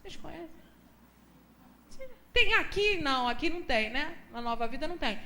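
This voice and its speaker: A woman's voice: high voice, animated, moderate pace, pushed and bright, a little hiss or hum. A woman from Brazil preaching a sermon in church, asking the congregation emphatic rhetorical questions.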